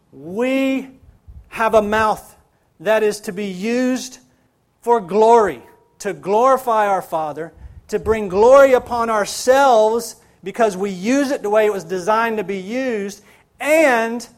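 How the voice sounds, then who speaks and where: A man's voice: high-pitched, expressive, slow pace. A man preaching a sermon as pastor, building emphasis and repeating phrases for stress.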